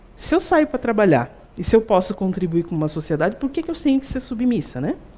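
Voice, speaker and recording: Heard in a very clean recording with a silent background, a woman at medium pitch has a dark, mellow tone and very wide pitch swings. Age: 40s. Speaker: spiritist lecturer. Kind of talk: lecture.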